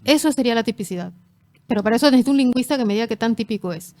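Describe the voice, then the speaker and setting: A woman answers interview questions as a forensic linguist. She speaks in a slightly high voice and explains things patiently, working through examples. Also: lively intonation, a little mellow, a little hiss or hum. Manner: measured and explanatory, gives examples.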